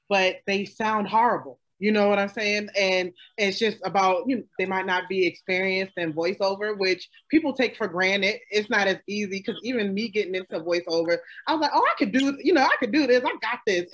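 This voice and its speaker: A woman's voice: mid-range voice, low-quality recording. A woman with a slight lisp, a voice actor and audio drama creator, telling stories animatedly on a panel. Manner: animated storytelling, acts out quotes. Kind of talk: panel discussion.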